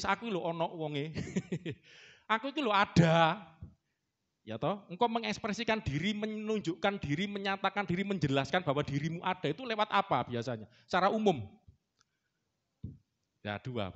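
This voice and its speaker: Playful preacher, lively voice. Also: male voice, sits high, dull audio. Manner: playful, joking with the congregation and imitating animal sounds. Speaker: pastor. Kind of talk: sermon. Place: church hall.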